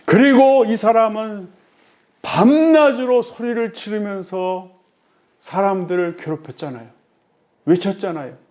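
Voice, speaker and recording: A middle-aged male pastor preaching a sermon in a fairly high voice. He presses his points with rhetorical questions to the congregation. His delivery swings between raised, emphatic lines and sudden hushed, low phrases. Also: unhurried.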